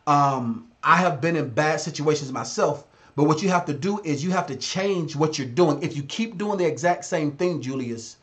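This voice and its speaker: Man, 30s, fairly high voice; blunt, exhorting consultant who repeats phrases for emphasis. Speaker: business consultant. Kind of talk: live-stream advice talk.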